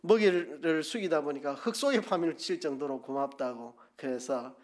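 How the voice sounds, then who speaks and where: A man's voice: on the high side, moderate pace. A man with a Gyeongsang accent preaching a sermon as pastor, asking the congregation questions and leading them in call-and-response. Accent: Gyeongsang Korean.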